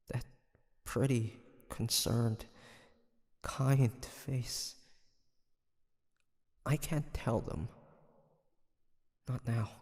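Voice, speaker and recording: Man playing a hesitant, slow-speaking wounded hunter. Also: mid-range voice, creaky, slightly rough, dry recording, clean studio sound, heavily acted. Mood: flustered, moved. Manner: hesitant, halting, sighing, soft-spoken. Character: weary, guarded young demon hunter, tender and wounded. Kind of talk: intimate audio roleplay drama.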